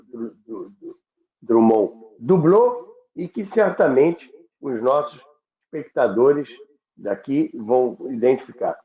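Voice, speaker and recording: A Brazilian man hosting a reminiscing talk, halting and repeating words as he searches for them, on a roomy, dull recording. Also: medium pitch. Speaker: host of a radio history show.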